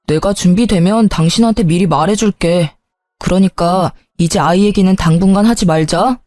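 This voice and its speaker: A woman's voice: lowish voice, normal speed, a little mellow, no room sound, studio quality, faint music behind, close to an everyday voice. A woman voicing an irritable young husband who brushes things off and scolds. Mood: wheedling. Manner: curt and scolding, then sheepish.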